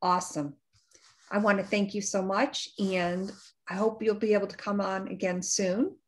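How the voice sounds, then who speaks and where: A woman's voice: medium pitch, level tone, normal speed. Upbeat woman podcast host. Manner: upbeat, appreciative, praising the guest. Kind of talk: casual interview hosting.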